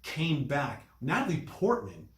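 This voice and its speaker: A man's voice: fairly high pitch, sing-song, measured pace. A man chatting casually on a film review podcast, explaining and recapping things in detail. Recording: echoey room sound.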